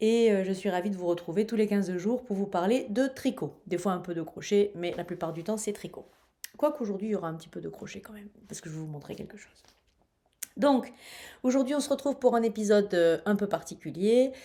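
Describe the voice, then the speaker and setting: A woman talks at a fairly quick pace and medium pitch, with lively intonation and big swings in loudness. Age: 50s. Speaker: knitting podcaster. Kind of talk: casual chat. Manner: hesitant, many filler sounds.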